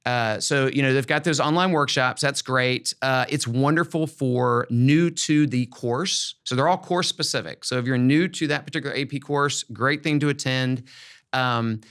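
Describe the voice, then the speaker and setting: A man's voice: mid-range voice, moderate pace, fairly bright tone, clear, resonant tone. American man hosting an educational podcast. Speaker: podcast host, former school principal. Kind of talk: conversational educational podcast talk.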